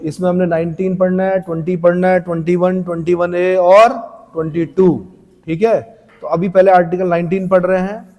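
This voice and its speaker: A North Indian Hindi-accented man lecturing a coaching class in a fairly high voice. He drills each point again and again, slows right down to dictate English phrases, and his voice rings with long reverb around the room. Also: a little mellow. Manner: repetitive, drills points, asks rhetorical checks. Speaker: coaching teacher.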